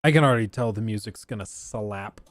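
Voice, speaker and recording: A man's voice: fairly low pitch, a little fast, over loud music. A man giving casual, enthusiastic live reaction commentary on a stream, chatty and loose with fillers. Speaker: streamer reacting to a game showcase.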